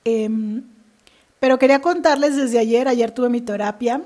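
A woman's voice: a little high, measured pace, warm tone. A woman with a Mexican Spanish accent hosting a podcast as an executive coach, talking in a chatty, confessional way and laughing often. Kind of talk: casual podcast monologue.

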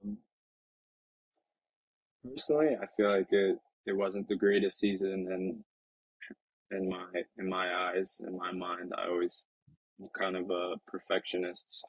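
A man in his twenties, a professional soccer player, talking reflectively in an interview with many halting restarts. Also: sits low, fairly even intonation, husky, dry recording, rough recording. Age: 20s. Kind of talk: casual interview talk. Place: Lisbon.

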